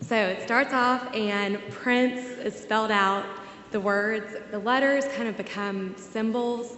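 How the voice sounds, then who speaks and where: A woman talks at a very slow pace in a fairly high pitch with fairly even intonation. Audible room echo and noticeable background noise surround her. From Texas. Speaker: design contestant. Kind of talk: design presentation on stage.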